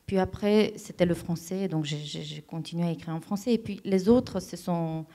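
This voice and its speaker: Soft-toned woman. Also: on the low side, normal speed. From Romania. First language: Romanian. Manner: thoughtful, searching for words with frequent restarts. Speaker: playwright and director, guest. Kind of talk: reflective interview answers.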